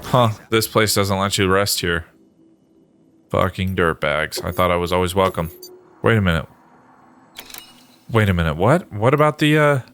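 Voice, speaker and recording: A man's voice: lowish voice, a bit bright, a little hiss or hum. A man giving casual, profane let's-play commentary, exasperated as he plays. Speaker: gamer playing through a video game. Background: game music.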